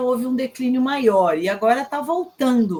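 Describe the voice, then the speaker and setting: This woman has a São Paulo accent and a high pitch, with ordinary pitch variation and a fairly slow pace. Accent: Paulistano Brazilian Portuguese. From Brazil, São Paulo. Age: 60s. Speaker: communication and education researcher. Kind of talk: radio interview.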